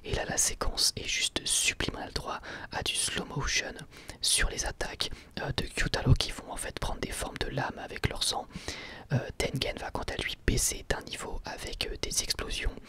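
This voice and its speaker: Male ASMR reviewer: sustained whisper, bright edge, casual halting phrasing. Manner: whispering throughout, hesitant informal delivery. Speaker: ASMR YouTuber reviewing anime.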